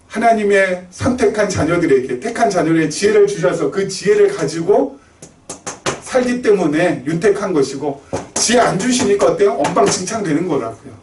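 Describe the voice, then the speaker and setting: A middle-aged man preaching in a fairly high voice, keeping the congregation engaged with one rhetorical question after another. The sound is echoey, as in a church sanctuary, and he seems to stand back from the mic. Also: darkish tone, a little hiss or hum. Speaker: pastor. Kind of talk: sermon. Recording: roomy church echo, slightly distant.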